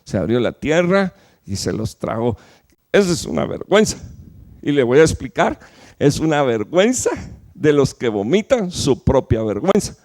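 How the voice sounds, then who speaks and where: A man preaching a sermon to his church, emphatic, with rhetorical questions and sudden loud peaks followed by low, quiet drops. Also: very animated, normal speed. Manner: fillers and restarts while explaining. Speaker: pastor.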